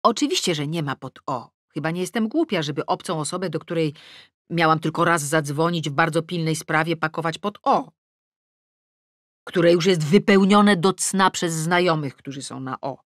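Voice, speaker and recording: Female reader as bossy, exasperated woman in an audiobook, impatient, emphatic, low and dry. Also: normal speed, dry recording, close to an everyday voice. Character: exasperated, bossy woman phoning her partner.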